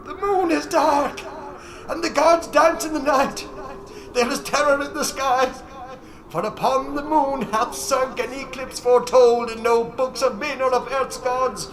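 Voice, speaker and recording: Shrieking, frenzied old mountain mystic. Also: male voice, very high voice, steady tone, crowd noise, pitched above the performer's own voice, low-quality recording. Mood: wild exultation. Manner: shrieking, drawn-out exclamations. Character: wise old mountain climber, ecstatic then terror-stricken. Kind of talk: dramatic horror audiobook acting.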